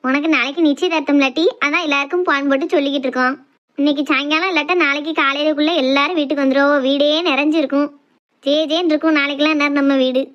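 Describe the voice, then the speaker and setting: A village mother, as a woman puts her on. She speaks in a soothing, consoling way with a high voice. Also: steady tone, rapid-fire, a bit bright, dull audio. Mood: earnest. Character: fretting village mother of the bride.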